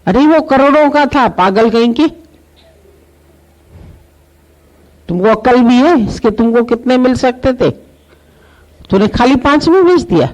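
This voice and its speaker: A man voicing an outraged male jeweler who scolds a fool in loud disbelief. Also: very high voice, lively intonation, moderate pace, poor audio. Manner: shouting in disbelief, insulting.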